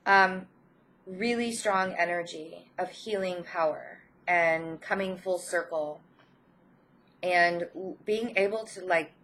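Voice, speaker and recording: A woman with a head cold gives an informal spiritual card reading to her viewers as channel host, speaking gently and encouragingly with hesitant pauses mid-phrase. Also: fairly low pitch, rough recording.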